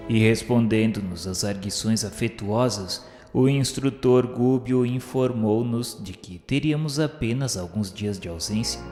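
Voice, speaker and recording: A man giving solemn, measured literary narration for a radio drama, in a grave and formal manner. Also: lowish voice, a little mellow. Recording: long reverb over faint music. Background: faint music.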